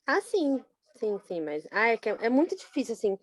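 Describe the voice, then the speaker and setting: A Brazilian woman in a study group, telling a personal story in a chatty, animated way with many fillers. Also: fairly high pitch, normal speed, dry recording. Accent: Brazilian Portuguese. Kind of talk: casual personal account.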